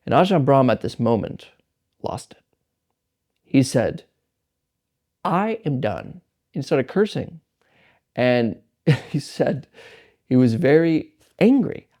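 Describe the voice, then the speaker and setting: Gravelly, mellow-voiced male meditation teacher. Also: medium pitch, slow, pauses often. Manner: relaxed, conversational, frequent fillers and restarts. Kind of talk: casual storytelling talk.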